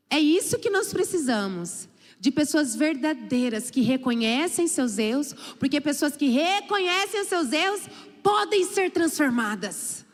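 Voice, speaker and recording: Uma pastora brasileira pregando um sermão, contando histórias e dramatizando diálogos, com exclamações fervorosas. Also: female voice, sits high. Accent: Brazilian Portuguese. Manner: storytelling, acts out dialogue, rising to fervent exclamations. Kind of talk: sermon. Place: church hall. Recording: church PA with long reverb and faint music.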